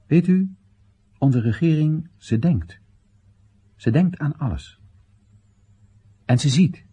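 A man's voice: fairly high pitch, lively intonation, slow pace, mellow, slightly rough, exaggerated voice. An actor playing an exasperated, ironic Chinese citizen addressing his comrades in emphatic short phrases, in a theatrical radio play monologue. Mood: wry, confiding.

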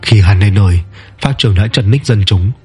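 Male narrator, low, husky, measured storytelling. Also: a little mellow, faint music behind.

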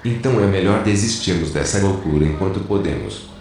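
A man playing a cautious, sensible resistance recruiter in an audio drama, speaking in a measured, hesitant way. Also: low voice, darkish tone, a little hiss or hum. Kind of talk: scripted audio drama acting. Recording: very echoey room.

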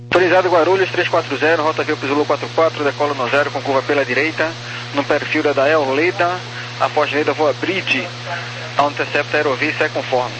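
Brazilian air traffic controller on noisy radio. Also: male voice, fairly high pitch, fairly even intonation, a little fast. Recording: noisy aviation radio with hum.

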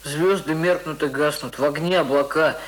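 An actor in a radio drama playing a dutiful schoolboy who speaks in a plain, artless, recitation-like manner. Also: male voice, a little high, steady tone, normal speed, close to an everyday voice. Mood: dutiful reciting. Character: village-staying city schoolboy, dutiful, plain-spoken.

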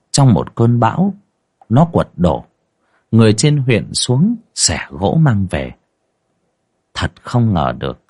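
A man narrating a ghost story in a dramatic, expressive storytelling manner. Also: lowish voice.

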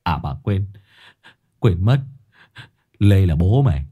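Brief: man as a lamenting village father, loud wailing, lively pitch. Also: slow pace, breathy edge, exaggerated voice. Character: grieving village father lamenting his son.

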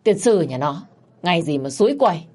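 A woman voicing a foul-mouthed, scheming old village woman who screeches and curses, in a low voice. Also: lively intonation, brisk, darkish tone. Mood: grumbling. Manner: shrill, cursing, screeching.

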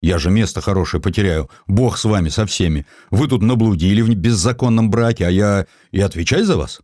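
A man's voice: on the low side, a little fast, a little mellow, no echo, studio quality, close to an everyday voice. A man voicing a frightened, self-serving priest who scolds fussily in an audiobook. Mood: anxious, indignant.

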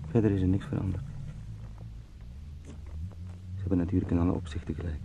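Weary beetle-man, very deep, creaky fry, repetitive brooding monologue, radio drama. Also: level tone, racing, dull audio, noisy background. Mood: resigned, weary. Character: weary, anguished travelling salesman turned into a beetle.

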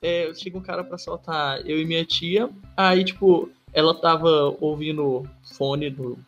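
A man's voice: fairly high pitch, steady tone, a little slow, fairly bright tone, faint music behind. A young man co-hosting a podcast, telling funny stories in slangy casual chat and laughing as he goes. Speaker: podcast co-host.

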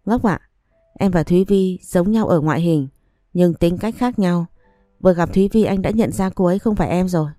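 A blunt, fed-up young husband, cold and reproachful toward his wife, as a woman narrator voices him in an audiobook. The voice sits low and mellow, close and dry. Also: fairly quick, no room sound, soft background music, lightly acted. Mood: tender. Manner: cold, accusing, flatly reproachful. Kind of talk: audiobook story reading.

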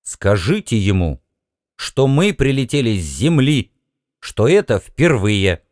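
A man's voice: mid-range voice, very animated, slow pace, darkish tone, no echo, clean studio sound. A man playing an overconfident spaceship captain who talks in a hearty, pushy way, in an audiobook reading. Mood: insistent.

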